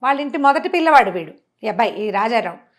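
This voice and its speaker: A woman storyteller retelling a story in a conversational, expressive way, mixing in some English words. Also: on the high side, fast talker. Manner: expressive, acts out characters' dialogue.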